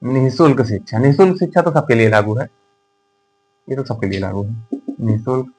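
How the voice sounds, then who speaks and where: A man's voice: medium pitch, fairly quick, darkish tone, husky, low-quality recording. A man teaching an exam-prep lesson in a conversational way. He often asks rhetorical questions and dictates notes word by word. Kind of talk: explanatory classroom lecture.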